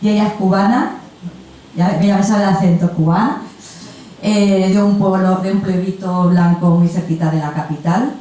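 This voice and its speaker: Lady hosting a panel, chatty, mellow voice, really echoey room and far the mic. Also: mid-range voice, fairly even intonation, moderate pace. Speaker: moderator of a literary festival panel. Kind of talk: informal spoken introductions of panel guests. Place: event room at a festival. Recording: echoey room, distant mic, faint noise.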